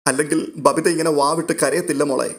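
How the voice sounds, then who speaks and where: A man voicing an anxious, tearful young woman in an audio story, pleading softly. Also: on the high side, steady tone, quick pace, lightly acted. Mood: worried.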